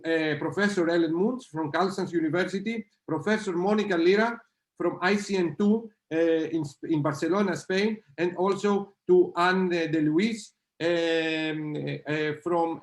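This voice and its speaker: A man moderating an online panel discussion, halting and hesitant with many filler sounds. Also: fairly high pitch, reverberant. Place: video call.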